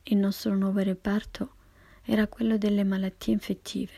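A woman reading a personal memoir aloud in whispered narration, hushed and measured throughout. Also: mid-range voice, flat delivery, gravelly, dry recording.

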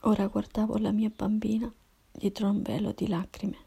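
Breathy whispering woman, gravelly edge. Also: mid-range voice, flat delivery, normal speed, mellow. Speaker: narrator of a personal story. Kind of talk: whispered first-person narration.

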